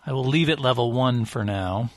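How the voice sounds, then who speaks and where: A man's voice: medium pitch, normal speed, no echo. A man playing a tabletop game, talking wryly through his moves as he goes. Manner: wry, talks through his moves aloud. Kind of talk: casual tabletop game chat.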